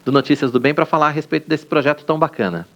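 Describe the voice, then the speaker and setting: A man's voice: on the high side, racing, a bit bright, muffled recording. A man hosting a live TV studio interview, introducing the topic and asking friendly, conversational questions. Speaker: TV show host.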